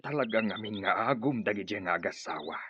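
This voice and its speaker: An actor playing a stubborn, sorrowful old tribal chief in a radio drama. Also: male voice, lowish voice, expressive, quick pace, muffled recording, close to an everyday voice. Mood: weary, grieving. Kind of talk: Ilocano radio drama acting. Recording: noisy radio drama recording.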